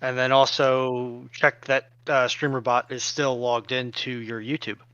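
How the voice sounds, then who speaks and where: A man's voice: mid-range voice, level tone, measured pace, fairly bright tone, smooth, no room sound. A man casually talking someone through technical troubleshooting over a lo-fi voice call. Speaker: stream technical helper.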